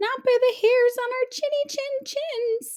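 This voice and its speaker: Using a put-on character voice, a woman squeaks at an extremely high pitch and a fairly slow pace. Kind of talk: bedtime story. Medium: read story. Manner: squealing, panicky.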